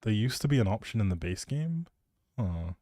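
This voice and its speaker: A man's voice: on the low side, very animated, moderate pace, dark tone, dry recording, studio quality. A man chatting casually as a live streamer, playful and teasing as he thinks aloud while commenting on a game.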